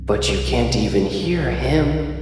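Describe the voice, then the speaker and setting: A man's voice: medium pitch, lively intonation, slow, a little mellow, very echoey, big-room sound, faint music behind. Man as an eerie, taunting invisible playmate. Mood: sly, persuasive.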